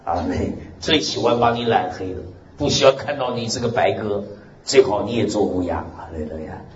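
A male pastor preaching a lively sermon with a loud, strong voice, exclaiming amen and hallelujah and laughing along. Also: fairly low pitch, a little fast. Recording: roomy, muffled recording with faint hiss.

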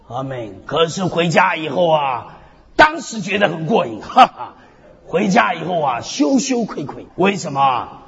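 A male pastor preaching a sermon with energy, mixing humor and self-deprecating stories with frequent hallelujahs. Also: a little high. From North America resident. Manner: animated preaching, peppered with call-and-response hallelujahs. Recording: dull hall with long reverb.

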